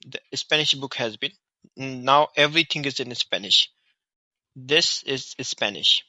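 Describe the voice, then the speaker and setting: A man's voice: mid-range voice, a little slow, sharp tone, dry recording. A man with a South Asian accent giving an informal, instructional app tutorial, often repeating short phrases and checking that the listener follows. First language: Hindi or Urdu. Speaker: app reviewer and tutorial host.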